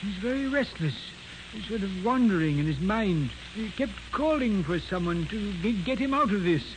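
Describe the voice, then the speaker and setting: A calm, cautious ship's doctor in 1940s radio style. His voice is notably high for a man. Steady hiss runs through the old broadcast recording. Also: normal speed.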